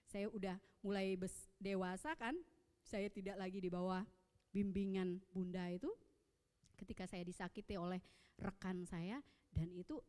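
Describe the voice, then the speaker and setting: A woman in her thirties with an Indonesian accent, preaching at a youth service and telling personal stories in a lively way. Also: on the low side. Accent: Indonesian, Samarinda. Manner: lively storytelling, acting out dialogue. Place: church hall. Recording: long echo of a church hall.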